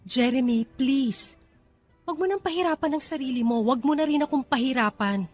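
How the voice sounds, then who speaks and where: An actress plays a wounded young hostess in a radio love drama. Her voice is a little high and pleading, guarded and full of feeling, with faint music behind it. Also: brisk, darkish tone, lightly acted. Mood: hurt, reproachful. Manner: pleading, emotional. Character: guarded, hurt young KTV hostess pushing away her suitor. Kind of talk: radio romance drama acting.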